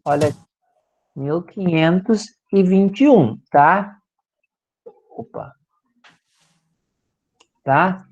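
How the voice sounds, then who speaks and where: A man's voice: sits high, drawn-out words, long pauses, lo-fi sound. A male law professor with a Brazilian Portuguese accent, giving a classroom lecture and checking in with students after nearly every point. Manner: checks in constantly with "tá, gente?" tag questions.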